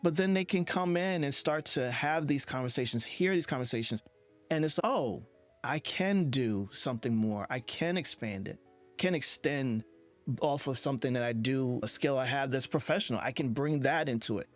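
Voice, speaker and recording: A man's voice: medium pitch, expressive, normal speed, soft background music. A man hosting a podcast interview in a conversational, affirming and reflective way.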